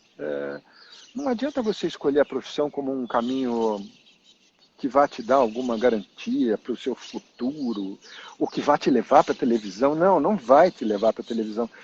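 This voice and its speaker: With an unremarkable speaking voice, a man talks at a moderate pace and medium pitch, using lively intonation. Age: 60s. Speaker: actor. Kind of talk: interview. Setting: video call.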